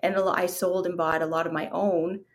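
In her thirties and from Canada, this real estate investor guests on an interview, walking through her career openly and casually with fillers. She talks briskly, in a fairly low-pitched, flat voice.

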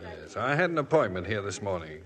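A guarded Catholic priest with a low voice that still moves up and down. He is careful and restrained, in an old 1950s radio play. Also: big pitch swings, a little fast, fairly bright tone. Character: troubled, reserved young Catholic priest. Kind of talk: 1950s radio drama acting.

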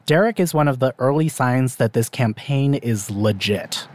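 A man's voice: medium pitch, expressive, normal speed, noisy background. A man hosting and reporting a podcast, narrating a documentary story in a conversational, lightly self-deprecating way.

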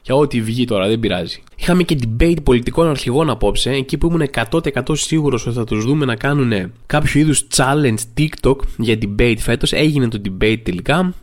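A man with a Greek accent hosting a podcast, telling a sarcastic comic monologue with sudden jumps in pitch, slowing down for punchlines and rushing through asides. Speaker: podcast host.

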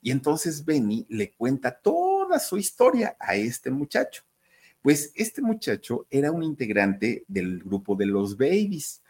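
A man's voice: mid-range voice, huge pitch swings, unhurried, darkish tone, breathy edge. A man, telling a story in a chatty way and talking straight to his listeners. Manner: chatty, addresses listeners directly. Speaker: storyteller host. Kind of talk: casual storytelling.

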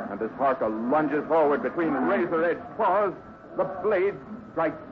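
A man playing a florid, melodramatic storyteller, narrating a 1950s radio adventure. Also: on the high side. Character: urgent, dramatic adventure storyteller. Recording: muffled, very noisy 1950s radio recording.

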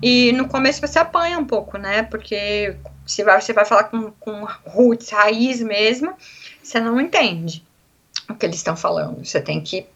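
A woman's voice: medium pitch, animated, moderate pace, fairly bright tone, highs cut off. A young adult woman from Brazil with a Brazilian Portuguese accent, chatting animatedly in an interview and acting out little quotes as she talks. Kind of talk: casual conversational interview.

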